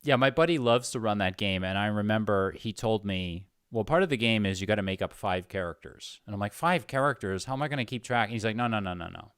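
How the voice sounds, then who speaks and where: A man with a low voice hosts a casual interview in a dry-sounding recording. He talks informally and haltingly, rambling his way toward each question. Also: a bit bright, clear, resonant tone, dry recording. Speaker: interviewer, channel host. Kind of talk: casual chat.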